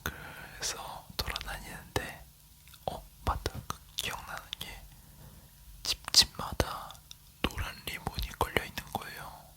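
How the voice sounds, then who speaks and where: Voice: a little slow, bright, forceful tone. An ASMR creator from South Korea leaning in to whisper, chatting casually as they tell a travel story.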